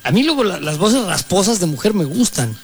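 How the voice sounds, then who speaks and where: A man's voice: high voice, very animated, fairly quick, faint music behind. Host casual Mexican man in his fifties. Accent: Mexican Spanish. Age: 50s. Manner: casual, swearing, slangy, laughing. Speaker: radio show host. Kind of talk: crude comedic radio banter.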